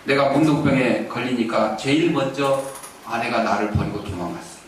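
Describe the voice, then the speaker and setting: A man's voice: mid-range voice, normal speed, a little hiss or hum, voice pushed down, lightly acted. A pastor voicing a man with leprosy who is tearfully confessing his gratitude, heard in an echoey church from a distance. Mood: lamenting. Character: weeping man with leprosy giving thanks.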